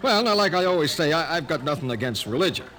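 A man's voice: a little high, lively intonation, fast talker, bright, forceful tone. An actor playing a skeptical working-class man in the street, folksy, stammering and dismissive, in 1950s radio style. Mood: stubborn, dismissive. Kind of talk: 1950s radio drama acting.

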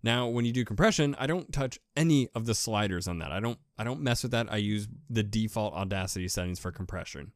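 A man with a deep voice giving a casual, rambling how-to talk as a podcaster, repeating himself with enthusiasm. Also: brisk, few pauses, no room sound, clean studio sound. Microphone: USB desk microphone with pop filter.

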